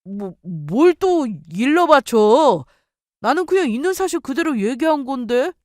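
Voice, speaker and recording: A woman's voice: high voice, very animated, a little slow, a little mellow, dry recording, clean studio sound. A woman voicing a defensive young husband who whines in reply, in a storytelling radio drama. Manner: whiny, defensive.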